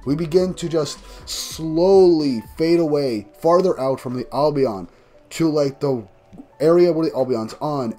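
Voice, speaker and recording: A man's voice: medium pitch, darkish tone. Groggy man recapping a manga chapter. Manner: enthusiastic, rambling recap with restarts. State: groggy from a cold. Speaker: manga review YouTuber. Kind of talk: casual manga chapter review.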